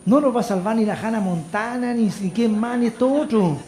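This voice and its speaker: A man with a Chilean accent preaching a sermon as pastor, moving between loud calls to the congregation and quiet storytelling. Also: high voice, brisk. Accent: Chilean Spanish. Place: church. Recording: echoey church hall.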